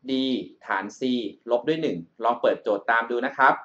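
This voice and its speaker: Over a screen recording, a man tutoring math walks through an exam problem, pausing often to check on the student and calling himself by a big-brother nickname. He speaks a little fast in a mid-range voice with lively intonation and a pushed, bright tone. The highs are cut off.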